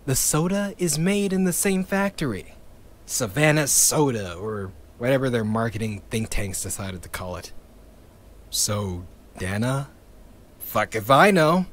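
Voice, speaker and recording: A man's voice: medium pitch, expressive, a little slow. An actor playing a bitter young male activist in an audio drama, sardonic and swearing, with wry laughs between his lines.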